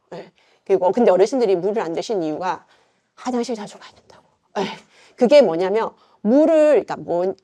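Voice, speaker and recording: A woman's voice: medium pitch, dark tone. A middle-aged woman with a Gyeongsang accent, giving an informal lecture as a yoga instructor, chatty and full of rhetorical questions. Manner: chatty, conversational, frequent fillers and rhetorical questions.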